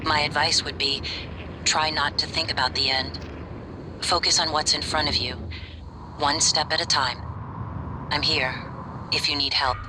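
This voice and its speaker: A soft-spoken male robot helper, voiced by a man in a video game. He gives advice in a quiet, calm way, and his voice sits a little high. A clear hum runs behind the game audio. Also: a little slow, long pauses, natural voice.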